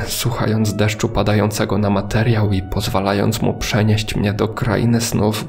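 Deep-voiced man narrating horror, gravelly edge. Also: a little mellow. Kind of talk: scripted first-person horror story narration. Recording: background music under voice.

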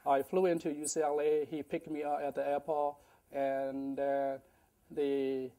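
Halting man, mellow voice. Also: on the high side, flat delivery. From Burma. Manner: halting, many fillers and restarts. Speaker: guest speaker. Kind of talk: lecture about life story. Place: large indoor kitchen. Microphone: lapel.

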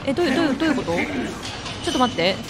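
Rapid-fire and very animated, this woman's high voice narrates her let's play of a horror game. She jokes nervously throughout and breaks into scared shrieks now and then. Faint game music plays behind her.

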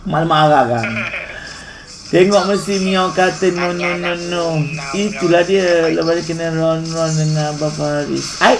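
Brief: Malaysian man, gaming host, teasing and playful, slightly high voice, soft game music under. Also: steady tone, slow, low-quality recording. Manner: teasing, playful, calls others "Cok". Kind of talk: casual gaming banter.

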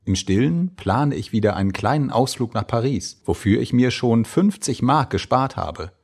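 A man giving a measured, expressive reading of old letters and diary entries. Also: mid-range voice, creaky, slightly rough. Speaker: reader.

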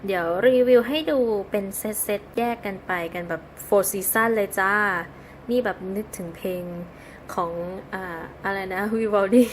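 A woman's voice: mid-range voice, measured pace, a little hiss or hum. A woman hosting her own tarot channel, reviewing a card deck in a casual, chatty and polite way. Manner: chatty and polite, with soft polite endings and small laughs.

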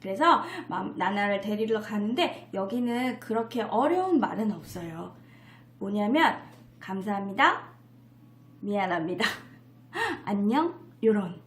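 A woman teaching parents simple English phrases from a picture book, playful and laughing, modeling each phrase slowly. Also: medium pitch, roomy sound.

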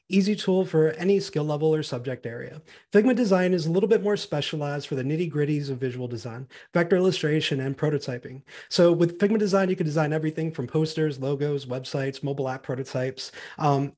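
A man giving an upbeat, step-by-step live software demo over a video call. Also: fairly high pitch. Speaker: education team presenter. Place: home room on video call.

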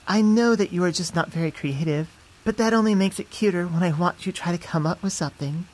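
A woman's voice: fairly low pitch, brisk, a little mellow, lightly acted, poor audio. A woman voicing an affectionate, teasing, easily flustered young centaur girlfriend in an intimate ASMR roleplay, sweet and conversational, close on the mic. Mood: fond, teasing. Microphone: close studio microphone.

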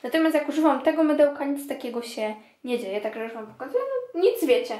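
Speaking quickly in a high-pitched voice with a dark tone, a young woman cleans her home bathroom and washes makeup brushes. She's a beauty vlogger chatting to her "girls" in casual clean-with-me narration, and the sound is roomy.

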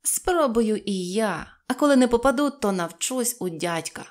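A woman's voice: fairly high pitch, animated, normal speed, close to an everyday voice. A woman voicing a bold, showy little girl. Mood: cheeky. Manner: showy, exclaiming, playfully grand. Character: bold cheerful little red-haired girl.

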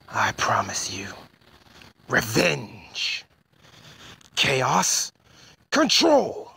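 Man voicing Shadow the Hedgehog, slow, brooding, low. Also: sharp tone, a little hiss or hum, heavily acted. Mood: solemn, then vengeful. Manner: slow, deliberate, menacing delivery. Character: brooding, vengeful male hedgehog antihero, proud and grim. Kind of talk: dramatic video game voice demo.

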